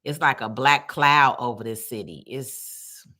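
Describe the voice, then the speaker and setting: A woman's voice: very deep voice, measured pace. A woman from Chicago with a Chicago accent, hosting a casual livestream on her phone and chatting bluntly with viewers in slangy talk. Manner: blunt, slangy and animated, calls viewers baby. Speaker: livestream host. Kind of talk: casual live chat answering comments.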